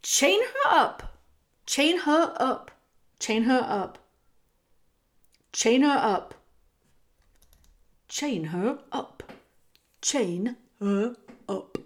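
A woman's voice: medium pitch, big pitch swings, takes it slowly, a little mellow. A woman voicing a cruel, sneering male rat villain from a storybook, with haughty, formal, commanding diction. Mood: furious, shouting.

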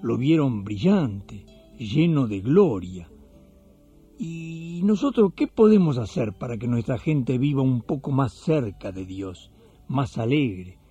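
A man's voice: medium pitch, dark tone, husky, muffled recording. An Argentine man hosting a religious radio program and telling stories in a colloquial, folksy way. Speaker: radio host and storyteller. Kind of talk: warm religious radio address and storytelling.

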